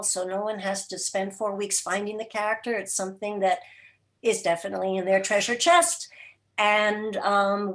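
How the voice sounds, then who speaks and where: A woman speaking as an interview guest, explaining her production work informally in a halting, thoughtful way with searching pauses. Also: mid-range voice. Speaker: interview guest, radio program and podcast producer. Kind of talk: informal spoken explanation at an online gathering.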